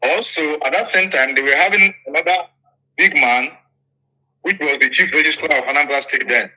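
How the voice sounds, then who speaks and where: Man, Nigerian accent, sharp forceful tone, slightly high pitch, emphatic, repetitive interview storytelling. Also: moderate pace, rough recording. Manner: emphatic, repeats phrases and checks the listener follows. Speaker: interviewee, politician.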